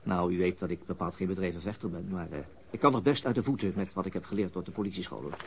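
An actor playing a weary, dry police detective in a radio drama, speaking in a deliberate, understated way. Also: male voice, lowish voice. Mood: tense. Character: male police detective, weary, dry, recounting being shadowed. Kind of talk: radio drama acting, narrating and dialogue. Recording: noisy older radio drama recording.

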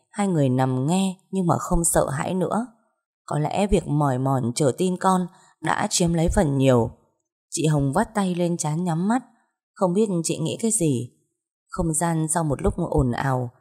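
Low-voiced woman narrating a ghost story. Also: mellow. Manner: measured, suspenseful storytelling.

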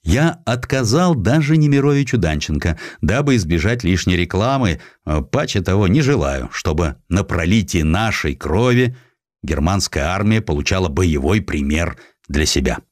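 A man's voice: sits low, lively intonation, moderate pace, no room sound, studio quality. A man playing a blunt, passionate and headstrong Russian general in a dramatized audiobook. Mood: firm. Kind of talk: audiobook character acting.

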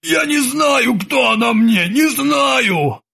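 A man's voice: very high voice, lively intonation, slow pace, gravelly, husky, pitched above the performer's own voice, exaggerated voice. Man doing a hysterical shrieking nightmare ghoul. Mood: panicked. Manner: hysterical shouting.

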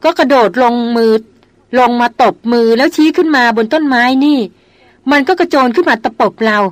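A woman voicing a terrified young woman, high and shaken. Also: unhurried, no echo, lightly acted. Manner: frightened, pleading, insistent. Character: terrified young woman doctor seeing ghosts.

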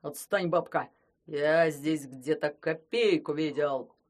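A man's voice: a little high, a little slow, fairly bright tone. A man voicing a greedy, cowardly immortal sorcerer who grumbles and threatens. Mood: grumbling. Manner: grumbling, menacing.

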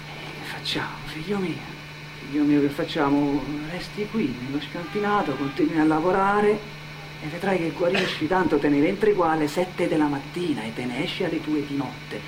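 An actor playing a falsely paternal, menacing restaurant boss in a radio play, coaxing in colloquial speech with a southern Italian accent. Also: male voice, fairly high pitch, normal speed, noisy background, close to an everyday voice. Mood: coaxing menace. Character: wheedling, menacing male restaurant boss exploiting a worker. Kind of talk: theatrical monologue in a radio play.

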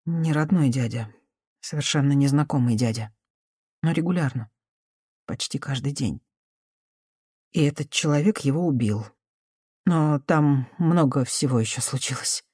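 Мягкий, негромкий женский голос в исполнении чтицы уговаривает терпеливо и примирительно. Тон низкий и приглушённый, речь осторожная, без нажима. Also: female voice, low voice, unhurried, pauses often, slightly rough, dry recording, studio quality. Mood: remorseful. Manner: soft, conciliatory, hushed. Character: cautious gentle woman, soothing and patient.

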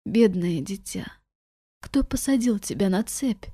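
A woman voicing a stern, grieving old grandmother in an audiobook, speaking in a hushed, half-whispered, bitter way. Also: lowish voice, takes it slowly, dry recording, studio quality. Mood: anxious.

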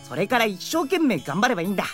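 A woman playing a cheerful, cocky high school boy with a playful, theatrical way of talking, in an anime-style audio drama. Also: very animated, rapid-fire, fairly bright tone, soft background music. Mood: encouraging.

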